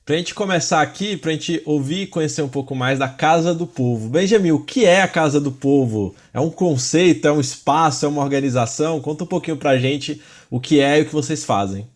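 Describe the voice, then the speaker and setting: A man's voice: on the high side, fairly quick, few pauses. A man hosting a podcast, introducing his guest and asking questions in a friendly, upbeat way. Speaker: podcast host. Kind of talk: podcast interview.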